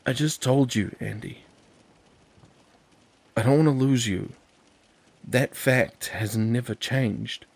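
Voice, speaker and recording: A man's voice: medium pitch, slow pace, vocal fry, long pauses, slightly rough, pitched above the performer's own voice, full character voice. A man voicing an anxious young man who stammers and defends himself to his partner. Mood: urgent.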